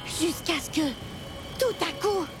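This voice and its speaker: Very high girly cartoon voice, big showy storyteller, music under it. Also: a little slow. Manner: dramatic, boastful storyteller. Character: cheerful girl adventurer telling a tall tale. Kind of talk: cartoon dub narration.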